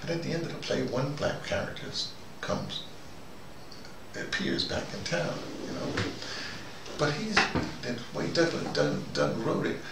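A man's voice: on the high side, measured pace, gravelly, pauses often. An older American man giving a rambling, conversational monologue in a wry, musing, self-questioning manner. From United States. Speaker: host. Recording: echoey room, noisy, distant mic.

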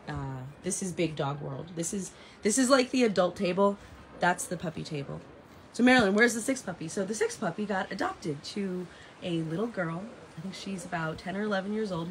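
A woman in her thirties with a raspy voice, chatting casually and dramatically to live stream viewers, repeating phrases for emphasis. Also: on the low side. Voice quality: raspy from heavy singing. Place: open porch of a house and its garden, outdoors. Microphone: phone at arm's length. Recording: noisy outdoor phone recording.

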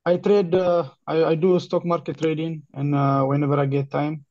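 A young man with an Ethiopian accent talking casually and haltingly about himself, often repeating his words. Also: a little high, flat delivery, a little mellow. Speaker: career guidance client, refugee newcomer. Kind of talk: casual conversation, introducing himself. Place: remote online call. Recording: muffled lo-fi online call.

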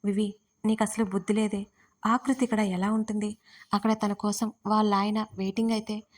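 A woman narrating plays a playful, mocking young woman in an audio story. She jokes at the couple's expense and speaks in a flat, mid-pitched voice. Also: moderate pace, close to an everyday voice. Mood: teasing. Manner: mocking and cheeky. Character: teasing, playful young woman, the bride's cousin.

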